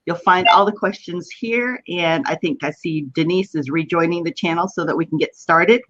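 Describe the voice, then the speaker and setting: A woman's voice: on the low side, moderate pace, fairly bright tone. A woman with a West Texas drawl, chatty and informal as she hosts a casual live stream. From West Texas, United States. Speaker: host of an online video chat. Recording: dull lo-fi web video call.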